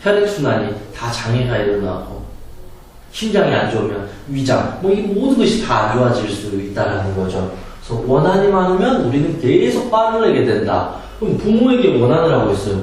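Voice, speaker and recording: A man giving a spoken lecture on handling anger, emphatic and animated, sometimes acting out angry quotes and laughing. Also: mid-range voice, normal speed. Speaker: meditation and self-help lecturer. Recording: very echoey room from a distance, faint noise.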